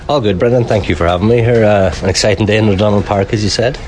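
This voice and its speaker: A man's voice: fairly low pitch, fairly even intonation, fast talker, a little mellow, slight background noise. An Irish man speaking as a guest sports journalist in a match discussion. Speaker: sports editor as guest pundit.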